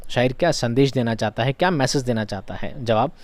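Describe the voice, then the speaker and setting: A man's voice: medium pitch, a little fast, no room sound. A male teacher giving an exam revision lesson, asking questions aloud and repeating each key answer for his students.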